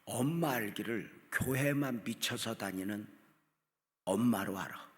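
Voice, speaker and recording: A man, an older retired pastor, tells stories in an early-morning revival sermon. His voice drops to a hush and then rises loud, and he acts out the people he quotes. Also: fairly low pitch, unhurried. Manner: storytelling preacher, swings from hushed to loud, acts out quotes. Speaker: guest revival preacher. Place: church sanctuary. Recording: church sanctuary with long reverb.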